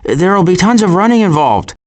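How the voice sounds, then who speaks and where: An actor voicing a cautious, worrying turtle in an animated video game, with a dry, hesitant and wry delivery. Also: male voice, high voice, brisk. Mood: anxious, hesitant. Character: cautious, worrying male cartoon turtle, dryly sarcastic.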